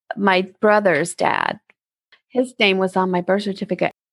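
A woman in a plain, everyday voice speaks at medium pitch and a moderate pace, the sound dry and close with no echo. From California, Central Valley. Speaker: interview guest sharing family story. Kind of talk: personal testimony.

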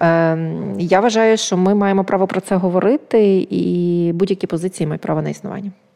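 A woman's medium-pitched voice, an ordinary speaking voice, at a moderate pace with hardly any pauses and fairly even intonation. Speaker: diaspora advocacy organization head. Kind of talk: interview.

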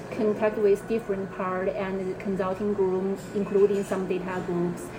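Noticeable background noise runs under this recording of a woman. She has a Chinese accent and a medium pitch. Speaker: podcast co-host. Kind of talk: casual chat. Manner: halting.

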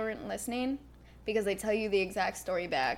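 A fairly high-pitched woman's voice at a very fast pace, with ordinary pitch variation. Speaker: podcast guest. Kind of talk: casual chat. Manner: excitable.

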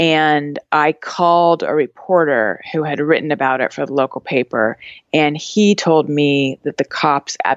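This woman's pitch sits very deep and low. It varies in an ordinary way. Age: 40s. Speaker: podcaster and author. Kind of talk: casual interview conversation.

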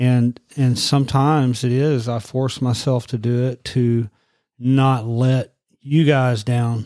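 This man's voice has a dark, mellow tone and a monotone, flat intonation at a very slow pace. The recording is very clean, with a silent background. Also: medium pitch for a man. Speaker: worship pastor.

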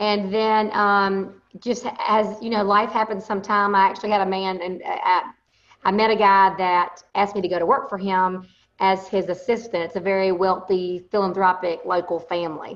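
A woman with a Southern US accent, medium pitch and moderate pace. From US South, Georgia. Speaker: real estate agent. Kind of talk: casual interview chat. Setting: phone call. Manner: loud, energetic.

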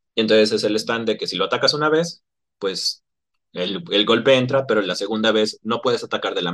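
The speaker is a man with a Mexican accent. His pitch is medium and his pace fairly quick. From Mexico. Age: 30s. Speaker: podcast host. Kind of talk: casual chat.

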